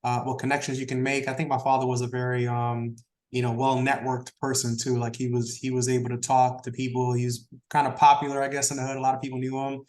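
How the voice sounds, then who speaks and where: A man, a Spanish speaker, talking as an interview guest in a relaxed, rambling way full of fillers. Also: mid-range voice, fast, roomy sound. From Brooklyn, New York. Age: 30s. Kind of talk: casual interview talk.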